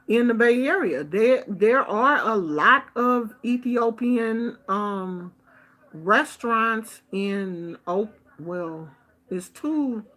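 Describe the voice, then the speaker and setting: Middle-aged american woman just chatting, bright voice, kinda unhurried. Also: on the high side. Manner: chatty, expressive, animated quoting of others. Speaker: vlogger. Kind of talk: casual storytelling. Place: Bay Area.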